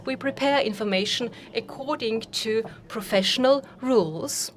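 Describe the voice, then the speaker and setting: Woman with a higher voice interpreting a formal speech. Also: measured pace, a little hiss or hum. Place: conference.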